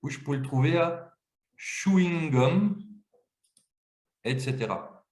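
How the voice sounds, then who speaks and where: A man's voice: mid-range voice, a little fast. A man presenting a webinar, explaining an app step by step. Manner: explanatory, walks through screens step by step. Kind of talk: webinar software demonstration. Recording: roomy, echoey webinar audio.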